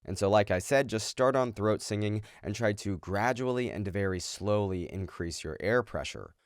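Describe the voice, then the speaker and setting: A man's voice: lowish voice, lively intonation, normal speed, smooth, no room sound, studio quality. A man giving instructional narration as a vocal coach, explaining exercises in a casual, step-by-step way.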